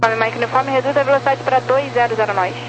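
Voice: high-pitched, steady tone, very fast. Radio transmission, air traffic controller, terse instructions, noisy channel. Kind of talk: clipped aviation radio calls.

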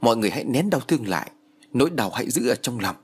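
A man's voice: mid-range voice, big pitch swings, very fast, husky. A man playing a grieving older brother in a spoken horror story, grave and urgent, his voice choked. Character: older man, grief-stricken eldest brother.

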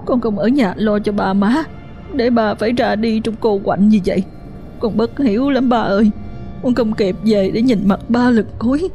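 A woman voicing a young daughter who is crying, her voice pitched high and strained with desperation and defiance. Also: normal speed, mellow, faint music behind, lightly acted. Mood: sobbing. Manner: shrill, pleading then defiant.

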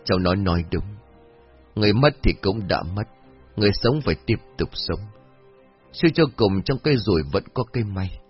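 A man's voice: on the low side, lively intonation, normal speed, husky, faint music behind. A man voicing a timid middle-aged village man who stammers nervously. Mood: consoling. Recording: dull lo-fi recording.

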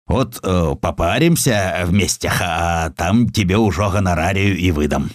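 A man's voice: low-pitched, measured pace, dry recording, studio quality. A man voicing a wily, plain-spoken old-time Russian tabloid publisher with a drawling, colloquial merchant's way of talking, in an audiobook. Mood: sly, appraising.

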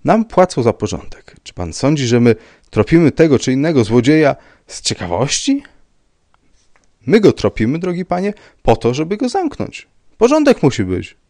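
A man voicing a gruff police commissioner who speaks in a dry, curt, dismissive way. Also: on the high side, big pitch swings, moderate pace, warm tone, no echo, voice pushed up. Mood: matter-of-fact. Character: gruff, unbothered middle-aged police commissioner.

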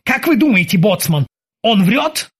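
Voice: mid-range voice, very animated, unhurried, husky, voice pushed up. A narrator voicing a blustering ship captain who interrogates in broken mock-German, bossy and barking. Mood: bossy interrogating. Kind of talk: audiobook character voice.

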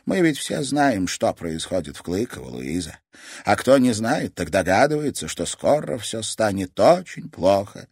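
A stern old grandmother, played by a male audiobook reader, speaks firmly and protectively. Her voice sits higher than his own and moves with lively pitch. The recording is dry and close. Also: a little fast, no room sound, lightly acted. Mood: pleading, protective. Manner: firm, protective. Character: stern but loving grandmother, older woman.

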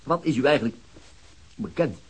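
Male, radio play detective: easygoing, dry humour, hesitant informal delivery, slightly rough tone. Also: medium pitch, expressive, moderate pace. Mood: probing, casual. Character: easygoing, dryly amused male police detective. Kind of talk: naturalistic radio drama acting.

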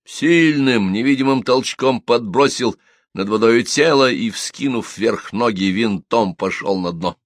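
A man narrating an audiobook with expressive storytelling in a dry, close recording. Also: mid-range voice, unhurried, dry recording. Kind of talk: audiobook reading.

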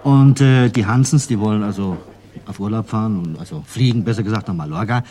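A man's voice: on the low side, brisk, a little hiss or hum. A man telling jokes in a casual round, acting out the characters. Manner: lively, acts out voices. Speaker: joke teller.

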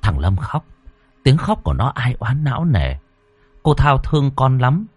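A man narrating a ghost story with a lively, rising-and-falling delivery and plenty of drama. His voice is dry and close to the mic, with faint music playing underneath. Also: mid-range voice, a little slow, breathy edge, no echo. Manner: dramatic, expressive reading. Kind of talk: scripted horror narration.

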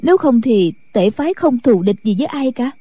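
A woman's voice: a little high, animated, a little fast, dark tone, husky, dry recording. A woman voicing a respectful, worried nun disciple in an audiobook. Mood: anxious. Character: anxious, dutiful nun disciple. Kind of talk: audiobook character voice.

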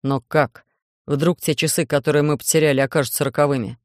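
Reader plays an anxious middle-aged professor, earnest and low-key. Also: fairly even intonation, brisk, a little mellow, no room sound, clean studio sound, lightly acted. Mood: worried.

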